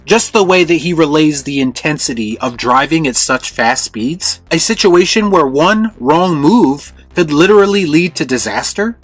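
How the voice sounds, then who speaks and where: A man's voice: a little high, a bit bright, dry recording. A man hosting a video film review with scripted commentary. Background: background music.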